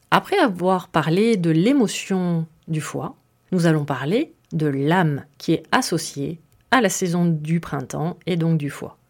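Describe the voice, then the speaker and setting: A woman hosts a podcast, explaining her topic in a friendly, conversational style full of filler words and a bit of self-mocking humor. Her voice is fairly low-pitched with a darkish tone.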